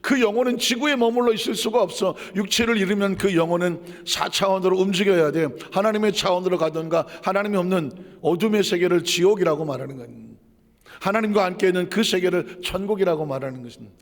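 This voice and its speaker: A man's voice: high voice, quick pace, in a large hall. A man preaching as a pastor, talking to the congregation in a conversational way, full of rhetorical questions and casual asides, sliding between formal and casual speech. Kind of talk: sermon.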